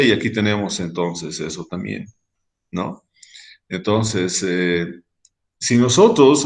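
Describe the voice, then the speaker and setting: A man explaining statistics while working through code on screen, thinking aloud with frequent fillers and tag questions. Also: lowish voice. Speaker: statistics instructor. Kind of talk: screen-recorded coding tutorial.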